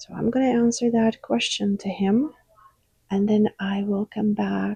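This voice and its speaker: A woman speaks with a Czech accent at a fairly slow pace and medium pitch, using ordinary pitch variation. The sound is dry and close, with no echo. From Czech Republic. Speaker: knitting teacher. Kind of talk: tutorial. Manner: casual, hesitant.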